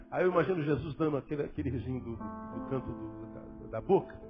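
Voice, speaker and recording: A man preaching a sermon as pastor, dramatic, swinging between loud emphasis and near-whispers, in a dull lo-fi recording with faint music. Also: mid-range voice, brisk.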